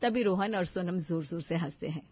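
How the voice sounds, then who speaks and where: A woman narrating an animated story in an even, scripted way. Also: fairly low pitch, brisk, no echo, highs cut off.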